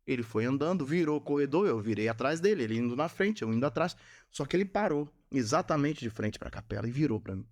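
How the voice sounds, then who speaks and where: A man's voice: mid-range voice, expressive, quick pace. A man, a Catholic missionary and podcast guest, telling a personal testimony and repeating phrases for emphasis. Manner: earnest storyteller who repeats phrases for emphasis.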